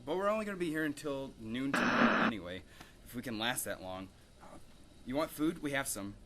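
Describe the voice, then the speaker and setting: A man's voice: medium pitch, expressive, a little fast, heavy background noise, lightly acted. A young man playing a casual, sardonic survivor in an amateur zombie horror radio drama. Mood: wry, matter-of-fact.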